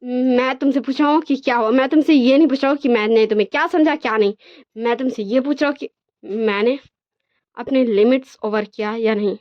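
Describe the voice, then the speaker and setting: A woman's voice: on the high side, fairly quick, dull audio, natural voice. Woman playing a stammering young alpha husband. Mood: demanding. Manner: stammering when caught off guard. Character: flustered, proud young male alpha husband.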